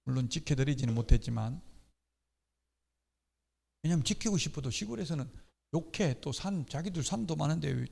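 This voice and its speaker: A man's voice: on the high side, lively intonation, normal speed, gravelly, pauses often, darkish tone, slightly rough. Man lecturing in an echoing hall. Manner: explanatory, with casual personal asides. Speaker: real estate law instructor. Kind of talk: exam-prep lecture. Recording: long hall reverb.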